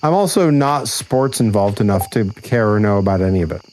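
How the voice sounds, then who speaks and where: A man from New England with a smooth voice, chatting casually with dry humor while playing a co-op game. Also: fairly low pitch, expressive, fairly quick, darkish tone, slight background noise, poor audio. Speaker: co-op gaming partner. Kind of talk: casual co-op gaming chat.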